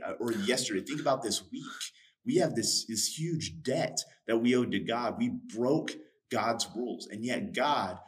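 A man in a casual Christian discussion, earnestly retelling a parable and voicing its characters. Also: mid-range voice. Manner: earnest, animated storytelling with voiced quotes.

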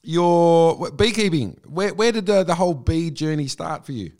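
A man's voice: on the high side, expressive, moderate pace, darkish tone. A man hosting a casual interview, speaking informally with hesitant, repeated phrasing. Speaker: interview host.

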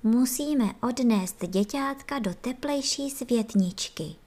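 A woman's voice: a little high, expressive, mellow, pitched above the performer's own voice. A woman voicing fussy, caring female nurse ants in a storybook, in a worried, calling manner.

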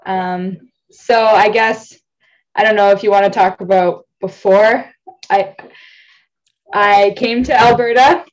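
A woman's voice: mid-range voice, fairly even intonation, slow, long pauses, poor audio. Chatty, laughing woman on a video call. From Ontario, Canada. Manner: chatty and self-deprecating, laughs often, rambles. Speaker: guest athlete. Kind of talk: casual interview.

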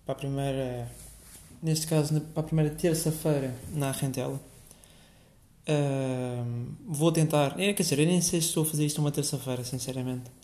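A man's voice: medium pitch, fairly even intonation, moderate pace, darkish tone. A young man with a European Portuguese accent hosting a casual solo podcast, rambling and swearing freely with lots of filler words. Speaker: podcast host. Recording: echoey room.

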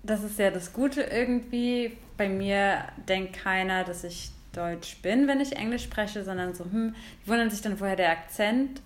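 A woman's voice: medium pitch, moderate pace, hardly any pauses. A young woman from Germany chatting casually, leaning on fillers. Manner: chatty, leans on fillers like halt and ähm. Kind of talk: casual chat.

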